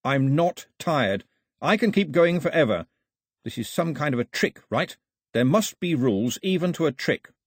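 A man reading as a scared, defiant young man in a storybook, protesting insistently with a lifted, husky voice. It sounds dry and close. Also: a little high, expressive, normal speed, dry recording, pitched above the performer's own voice. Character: frightened, defiant young male runner.

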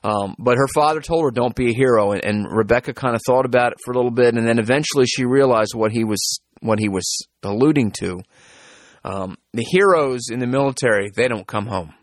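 A man's voice: mid-range voice, fairly quick, no room sound. A man hosting a podcast, speaking casually with many fillers and restarts as he introduces an interview. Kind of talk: casual spoken introduction, then interview questions.

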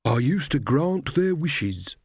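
A man's voice: a little high, sing-song, takes it slowly, breathy edge, no room sound, studio quality, full character voice. A man voicing a mild, cheerful old fairy godmother woman who chats and rambles. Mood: mild, chatty.

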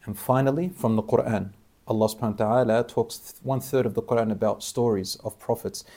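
A man hosts an interview with a mellow, dark voice. He speaks earnestly, like a teacher giving religious advice. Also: medium pitch, a little fast. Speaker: interviewer and Islamic preacher.

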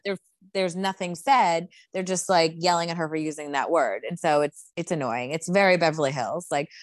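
In a clean, dry studio recording, a young podcast co-host speaks in a low voice. She's chatty and opinionated in this casual conversation, leaning heavily on "like."

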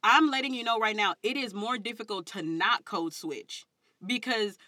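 A woman's voice: medium pitch, moderate pace, sharp tone, no room sound, studio quality. A woman in her thirties with a Southern African American English accent, talking candidly and emphatically in slangy, unfiltered conversation as an interview guest. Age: 30s.

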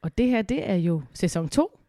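A woman's voice: mid-range voice, sing-song, warm tone, no room sound, studio quality. A woman co-hosting a podcast in casual chat, upbeat and rambling with fillers, with a cold, at home in a living room. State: has a cold. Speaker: podcast co-host.

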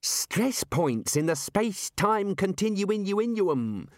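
A man voicing a keen young male wizard scholar, eager and deliberate. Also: sits high, very animated, dry recording, studio quality, pitched above the performer's own voice, exaggerated voice.

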